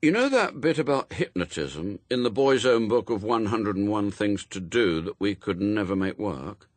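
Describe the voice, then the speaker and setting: A man's voice: lowish voice, animated, moderate pace, no echo, close to an everyday voice. A man voicing a self-assured boy gang leader of about eleven, matter-of-fact and airy. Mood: cautious.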